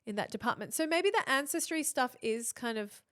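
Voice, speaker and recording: A woman in a relaxed podcast chat, with a slightly high voice that sits close to the mic. Her talk is candid and emphatic, and she backs up her co-host with quick agreement. The sound is dry and close, with almost no room in it. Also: no echo. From Australia. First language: Thai and English. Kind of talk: casual chat.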